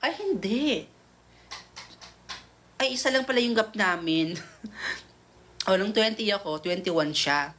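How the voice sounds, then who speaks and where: A man's voice: sits high, expressive, slow pace, long pauses, sharp tone. Chatty young gay man telling a story. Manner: chatty, rambling, many fillers and restarts; camp, calls viewers "bakla". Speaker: livestream host. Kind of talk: casual storytelling to viewers.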